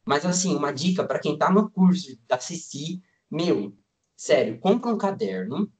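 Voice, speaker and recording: At a measured pace, a young Brazilian man of about nineteen chats loosely as a student guest in a casual interview, his slightly higher-than-average male voice staying easygoing. He rambles, restarts, and hedges, leaning on fillers such as "tipo" and "assim."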